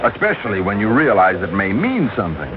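Cocky male newsman, lowish lively voice, on a hissy, muffled old radio recording. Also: fast talker. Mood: brash. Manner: brash, self-assured. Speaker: radio newscaster. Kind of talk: old-time radio drama acting. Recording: dull old radio recording, loud hiss.

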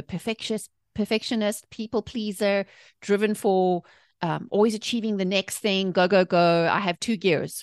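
A woman's voice: on the low side, dry recording, clean studio sound. A woman in her forties with a South African accent, telling personal stories in a chatty, emphatic interview style. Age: 40s. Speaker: podcast guest, mindset coach and author. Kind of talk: conversational interview storytelling.

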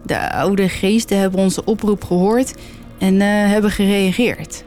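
A woman voicing a man who leads a séance, speaking slowly and solemnly with a slight tremble. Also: medium pitch, steady tone, a little mellow, faint music behind, lightly acted.

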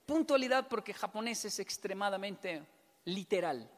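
A man's voice: high-pitched, normal speed. A Colombian man telling funny stories to an audience and acting out both sides of each conversation. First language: Spanish. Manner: animated storytelling, acts out both sides of dialogues. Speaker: speaker. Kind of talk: humorous talk to an audience. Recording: long hall reverb.

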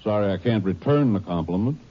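An actor playing a smug, slippery storekeeper suspected of murder, sneering with sarcasm in a 1950s radio drama. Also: male voice, on the low side, expressive, fairly quick, husky. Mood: smug, mocking. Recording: dull vintage radio recording.

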